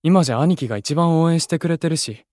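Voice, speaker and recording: A man's voice: on the high side, fast, dry recording, clean studio sound, natural voice. Man playing a blunt, reserved young idol. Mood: shy, grateful. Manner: terse, deadpan, casual rough speech. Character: blunt, reserved young male idol, secretly soft-hearted. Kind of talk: Japanese anime-style voice drama acting.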